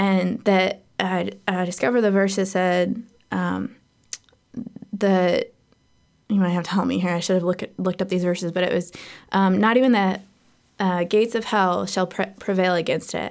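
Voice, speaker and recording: With an American accent, a woman at a medium pitch keeps a moderate pace and fairly even intonation, leaving long, frequent pauses. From US Pacific Northwest (Seattle). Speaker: podcast co-host sharing conversion story. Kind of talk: personal testimony. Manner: halting, many ums.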